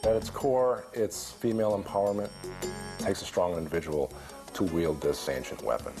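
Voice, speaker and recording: A man's voice: sits low, normal speed. A man speaking in an earnest, explanatory way in a documentary interview. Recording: music under the voice.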